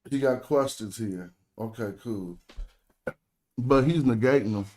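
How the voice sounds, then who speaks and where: An American man hosts a relaxed online language lesson. He speaks African American Vernacular English at a middling pitch, with informal, slangy phrasing as he explains things to the group. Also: unhurried. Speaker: host and language teacher. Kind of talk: casual teaching chat in an online group call.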